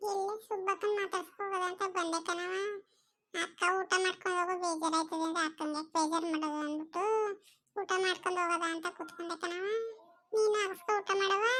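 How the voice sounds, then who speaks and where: A woman puts on a cartoonish character voice at an extremely high pitch. She keeps a monotone, flat intonation at a moderate pace. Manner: breezy, chatty.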